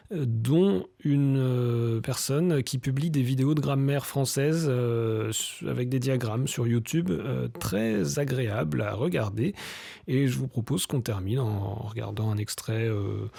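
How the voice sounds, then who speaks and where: A man's voice: medium pitch, creaky, warm tone, slightly rough, no room sound. A man presenting a short spoken piece in a hesitant way, with many fillers. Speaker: podcast host. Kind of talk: scripted presentation.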